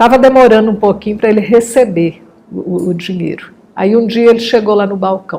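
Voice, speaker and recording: The woman's intonation is fairly even. Her voice sits at a medium pitch. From Anápolis, Goiás, Brazil. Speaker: retired labour court civil servant. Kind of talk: oral history interview answer.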